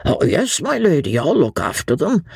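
Woman doing an honest old-time innkeeper man, eager to please, raspy, pitched up from the narration. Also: sing-song, moderate pace, a little mellow, no echo, clean studio sound, exaggerated voice. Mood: deferential. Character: honest, deferential male English innkeeper, stout and worried.

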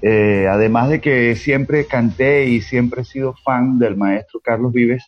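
A Colombian man with a husky voice tells his story as an interview guest, pausing with fillers as he goes. His voice comes through a dull, lo-fi line with faint music behind. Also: mid-range voice.

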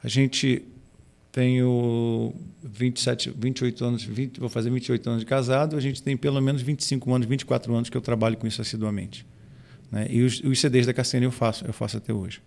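A man's voice: mid-range voice, little pitch movement, brisk, creaky, darkish tone. A man in his forties, a pastor and music arranger, talking in a casual podcast conversation, often repeating and restarting words. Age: 40s. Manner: hesitant with frequent word repetitions.

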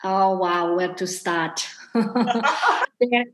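A woman in her forties from Indonesia, an entrepreneur guest speaking in a measured, reflective way with frequent ums. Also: lowish voice. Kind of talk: interview answers. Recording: roomy echo.

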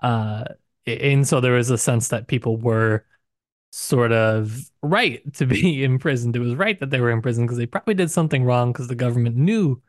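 Low-key thoughtful man, dry close sound. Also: moderate pace, dry recording. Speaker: podcast co-host. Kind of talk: casual book discussion.

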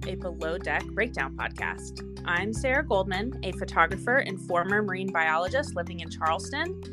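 A woman's voice: fairly low pitch, expressive, moderate pace, music in the background. An American woman co-hosting a podcast, moving between scripted intro and casual chat. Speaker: podcast co-host.

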